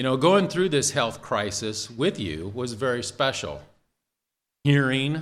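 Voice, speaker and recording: The recording is very clean, with a silent background. In it, a man talks with vocal fry. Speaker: church member sharing testimony. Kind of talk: testimony. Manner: reading from notes; halting.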